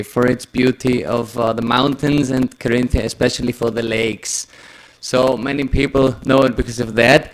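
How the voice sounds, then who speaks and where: A man with an Austrian German accent presents at a conference in English, stopping often on fillers. His delivery is hesitant, and his pitch stays flat and level. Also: low-quality recording.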